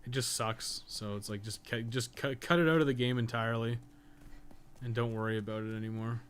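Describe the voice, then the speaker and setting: A man's voice: medium pitch, fairly even intonation, brisk. Rambling man over background noise. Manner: rambling, thinking aloud, casually profane. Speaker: game streamer and podcast co-host. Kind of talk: casual live gameplay commentary.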